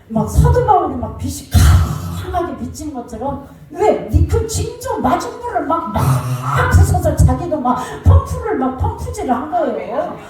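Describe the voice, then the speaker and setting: Woman pastor, sermon; high, mellow voice, sing-song delivery with shouted commands; distant mic in a very echoey church hall. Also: measured pace, music in the background. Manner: animated storytelling, sing-song preaching cadence; shouts commands mid-story.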